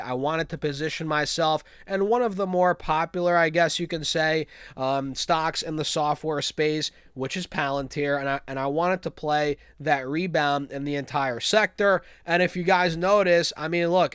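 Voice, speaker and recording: A young man with a stuffy head cold hosts his investing channel in a chatty, easygoing way, calling his viewers "guys" as he goes. His voice sits a little high and comes through clean. The sound is dry and close, with no room echo. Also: fairly bright tone, clear, resonant tone. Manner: chatty, says "guys" often, quick restarts. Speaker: stock market channel host. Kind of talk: casual investing talk to camera.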